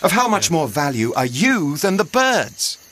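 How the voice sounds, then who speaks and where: An actor playing an earnest, reassuring male teacher preaching in a measured, rhetorical way in an audio drama. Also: a little high, big pitch swings, fairly bright tone, heavily acted. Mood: earnest teaching.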